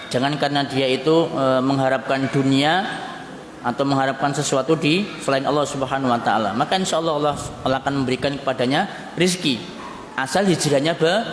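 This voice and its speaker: A man giving a mosque sermon. He tags nearly every phrase with a questioning "ya" and slips into phrases. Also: mid-range voice. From Yogyakarta, Indonesia. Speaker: preacher. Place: mosque hall. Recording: echoey mosque hall with long reverb, faint hiss.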